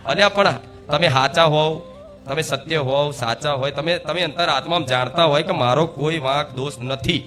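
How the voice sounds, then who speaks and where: A man's voice: a little high, normal speed. A man preaching to a live devotional gathering as the goddess's voice, rhetorical, quizzing the crowd and repeating key words for emphasis. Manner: rhetorical, quizzes the audience and calls for responses. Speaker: spiritual preacher speaking as the goddess.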